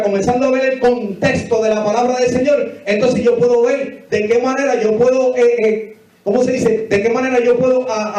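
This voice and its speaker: A man in his forties preaches a Bible lesson in a high voice, driving home his points by repeating them and putting questions to the congregation. He sounds distant from the microphone, and his voice rings through a very echoey church hall. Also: mellow. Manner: emphatic, repetitive, asks the congregation questions. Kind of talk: Bible teaching sermon. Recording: echoey hall, voice picked up from afar.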